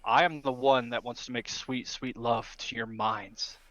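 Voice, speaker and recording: A man's voice: medium pitch, steady tone, measured pace, a bit bright, no echo, low-quality recording. A man in casual, joking chat as a player on a podcast.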